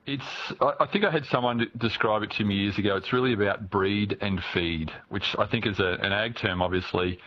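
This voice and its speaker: A man with a low voice explains giant pumpkin growing in an easygoing way. The sound is dull and muffled, like a phone line. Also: a little fast, few pauses. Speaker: pumpkin grower guest.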